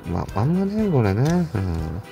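A man's voice: medium pitch, huge pitch swings, moderate pace, creaky, dark tone, faint music behind. A man casually chatting to himself while opening toy cars, muttering asides and chuckling. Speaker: toy car collector vlogger. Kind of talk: casual unboxing chat.

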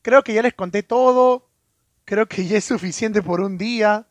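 A man's voice: sits high, moderate pace, no room sound. A man telling a story casually on a live stream, stammering and repeating words as he goes.

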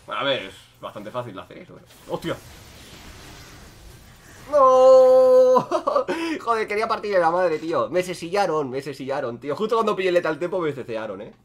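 A young man giving casual, joking commentary over his own gameplay, swinging between loud outbursts and low muttering. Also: sing-song, fast. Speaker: gaming streamer.

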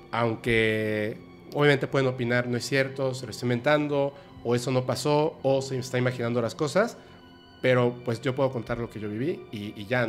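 A man, hosting a podcast, telling a personal story in a halting, emotional way with many restarts. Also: mid-range voice. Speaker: podcast host.

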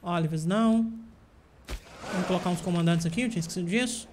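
A man's voice: high-pitched, fast, background noise. A man with a Brazilian Portuguese accent, talking casually to himself and his viewers while playing a strategy game, with bursts of exasperation. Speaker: gameplay streamer. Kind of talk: casual gameplay commentary.

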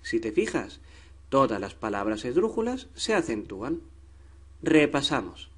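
A man's voice: mid-range voice, big pitch swings, a little slow. A man teaching a grammar lesson to children, patient and coaxing, stretching out syllables.

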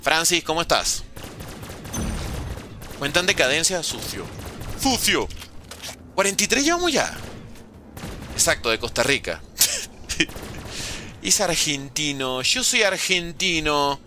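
A Venezuelan man streaming a game live, chatting with viewers and reacting in quick bursts. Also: fairly high pitch, a little hiss or hum. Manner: lively, banters with chat, talks fast in bursts. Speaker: gaming streamer. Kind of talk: live gameplay commentary reading chat.

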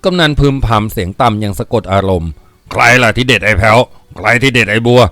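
A man voicing a hardened old village headman who leads a gang and talks in a gruff, brooding, commanding way. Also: lowish voice, animated, fast talker, bright, forceful tone, dry recording. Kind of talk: audiobook character reading.

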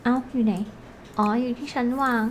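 A woman's voice: a little high, fairly even intonation, fairly quick, a little hiss or hum. A woman hosting a gaming channel, chatting playfully to viewers as she comments on her game.

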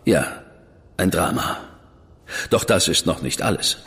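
An actor playing a reserved, measured investigator in a radio drama. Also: male voice, low-pitched, expressive, fairly bright tone, heavily acted. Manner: measured, dry, withholding. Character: cool, reserved male investigator, brother of a famous detective. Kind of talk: German radio drama acting. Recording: long reverb with music behind.

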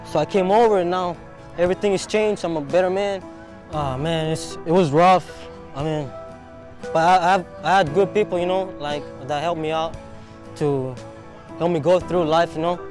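A young man from Palau, raised in Hawaii, talking earnestly and haltingly in an interview, often saying "man". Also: a little high. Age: young adult. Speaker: program student. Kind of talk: interview talk. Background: music bed.

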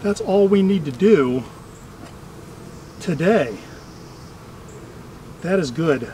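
Middle-aged male vlogger, high voice, chatty and dryly funny working commentary, outdoors with faint background buzz. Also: lively intonation, extremely slow, dark tone, a little hiss or hum. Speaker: beekeeper and vlog host. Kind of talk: casual running commentary while working. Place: outdoors among trees at beehives.

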